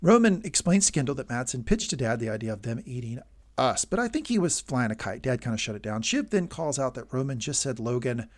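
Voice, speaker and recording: A man co-hosting a casual show recap, talking excitedly and swearing freely. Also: medium pitch, fairly quick. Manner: excitable, swears freely, acts out scenes loudly. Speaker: podcast co-host.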